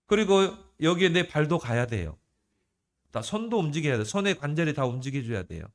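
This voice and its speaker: Male pastor, fairly high voice, conversational sermon with rhetorical questions. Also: sing-song, a little fast. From South Korea. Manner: conversational preaching with rhetorical questions and shifting emphasis.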